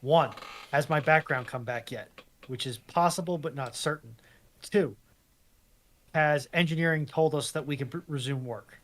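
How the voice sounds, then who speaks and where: A man's voice: on the high side, moderate pace, fairly bright tone. A man chatting casually on a livestream with a wry, self-deprecating manner. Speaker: co-host or guest on livestream. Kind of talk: casual chat.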